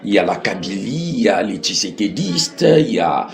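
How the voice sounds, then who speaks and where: Deep-voiced middle-aged Congolese man, halting delivery. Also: sing-song, faint music behind. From Democratic Republic of the Congo. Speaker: interview guest, political activist. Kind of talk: explanatory conversational talk.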